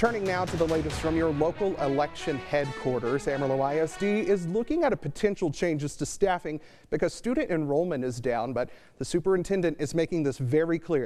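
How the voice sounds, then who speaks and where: Using an ordinary speaking voice, a man with a fairly high pitch talks at a fairly quick pace with ordinary pitch variation. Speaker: television news anchor. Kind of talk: TV news anchor delivery.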